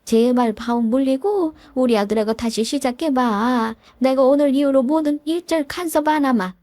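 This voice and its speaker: A woman doing a shrill scheming mother-in-law. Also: moderate pace, darkish tone, no echo, clean studio sound, natural voice. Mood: wheedling. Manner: wheedling, then wailing. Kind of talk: storybook voice acting.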